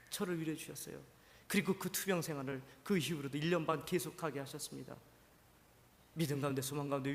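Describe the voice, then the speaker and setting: A man preaching a sermon as pastor, telling a painful personal story with many repeated phrases and then rising into loud, fervent exhortation. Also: medium pitch. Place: church sanctuary. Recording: long hall reverb, faint background noise.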